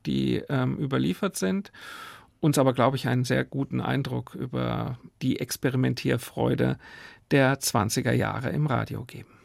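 A man's voice: medium pitch, vocal fry, dry recording, clean studio sound. A man hosting a radio programme, speaking in an articulate, analytical way. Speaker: radio host. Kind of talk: scripted narration and expert conversation about radio history. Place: dry studio.

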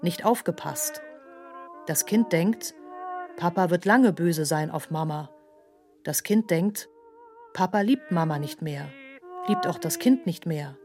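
A woman's voice: fairly low pitch, big pitch swings, takes it slowly, long pauses, dark tone, faint music behind, full character voice. An actress playing a grave female narrator of a tormented childhood in a literary radio play, speaking in stark, clipped, emphatic phrases. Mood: sombre, anguished. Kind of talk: literary radio play monologue, terse fragmented delivery.

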